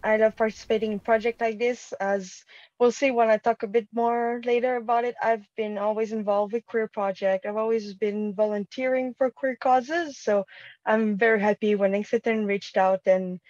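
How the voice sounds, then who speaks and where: A woman in her thirties, a guest on a video-call talk show, slightly croaky from a cold, speaking earnestly with frequent ums. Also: a little high, steady tone, moderate pace, a little mellow, dry recording. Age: 30s. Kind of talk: casual interview chat. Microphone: webcam mic on video call. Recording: dull lo-fi call audio.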